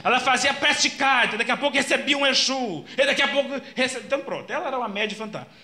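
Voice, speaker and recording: A man giving an animated storytelling lecture at a Spiritist center, shouting out the cries he retells. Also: extremely high pitch, fast talker.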